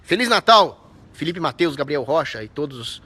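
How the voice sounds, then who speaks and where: A man's voice: on the high side, sing-song, moderate pace, husky. A young Brazilian man hosting a live stream, reading viewer comments between indignant, profane rants. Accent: Brazilian Portuguese. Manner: shouts out viewers' names. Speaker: livestream host.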